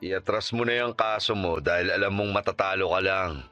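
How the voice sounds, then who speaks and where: A man's voice: deep voice, moderate pace, pushed and bright, faint music behind. An actor playing an arrogant, menacing rich male boss in a radio drama, contemptuous and bullying. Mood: mocking, threatening. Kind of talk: Tagalog radio drama acting.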